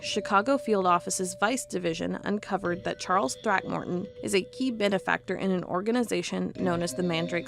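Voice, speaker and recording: A woman's voice: medium pitch, vocal fry, lightly acted. A woman playing a stubborn, sarcastic investigator of cold cases in an audio drama, with a wry, defiant manner. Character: stubborn, sarcastic female cold-case investigator hunting monsters.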